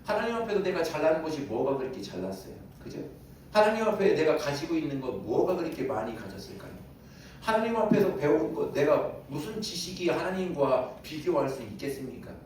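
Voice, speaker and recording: A male pastor delivers a Sunday sermon in a church sanctuary, speaking conversationally, quizzing his congregation and chuckling now and then. His voice is a little high, sing-song, fairly quick and darkish. It sounds distant in a very echoey room, with slight background noise.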